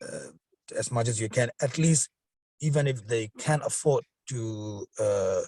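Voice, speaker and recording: A man speaks at a fairly slow pace, leaving long, frequent pauses. The sound is dry and close, with no echo. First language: not English. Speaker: community advocate, foundation head. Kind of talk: podcast interview. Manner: halting, many fillers.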